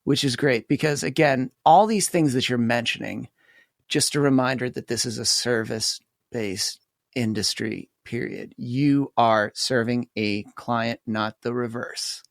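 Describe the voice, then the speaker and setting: A man's voice: mid-range voice, vocal fry, dry recording, studio quality. A man hosting a podcast in casual conversation, emphatic and agreeable, often chiming in with short replies. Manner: emphatic, agreeable, quick interjections. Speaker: podcast host.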